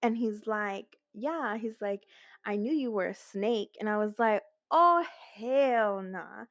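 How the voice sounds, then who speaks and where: A woman's voice: medium pitch, unhurried, no echo, highs cut off. A young woman with a Los Angeles Latina accent, telling a casual storytime and acting out quotes with lots of fillers. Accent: Los Angeles Latina, mixes in Spanish. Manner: animated, acts out quotes, frequent fillers. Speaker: vlogger.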